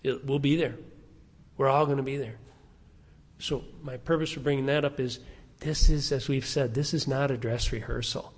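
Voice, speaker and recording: A man's voice: mid-range voice, fairly even intonation, normal speed, in a large hall. A man in his sixties preaching a conversational sermon to his congregation, often putting questions to them. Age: 60s. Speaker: pastor. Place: church sanctuary.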